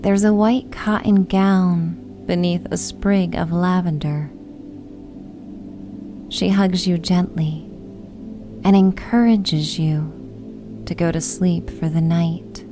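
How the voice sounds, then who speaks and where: Very slow, soothing woman sleep story narrator. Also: lowish voice, fairly even intonation, music in the background. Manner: soothing, hushed, unhurried guided relaxation delivery.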